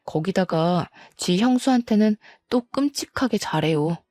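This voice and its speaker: A woman voicing a contemptuous, dismissive cheating husband in a story narration, with a warm, dry sound. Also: mid-range voice, animated, unhurried, no echo, close to an everyday voice. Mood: scornful. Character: scornful cheating husband, middle-aged man.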